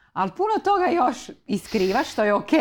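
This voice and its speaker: This woman's pitch swings very widely. Her tone is warm and animated. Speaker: podcast host. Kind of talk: casual interview. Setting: studio with cameras. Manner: warm, animated.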